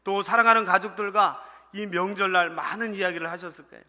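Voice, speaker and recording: A man's voice: sits high, steady tone, quick pace, sharp tone. A man preaching a Sunday sermon as associate pastor, often calling out to the congregation and telling a humorous story. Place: church sanctuary. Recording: church hall reverb.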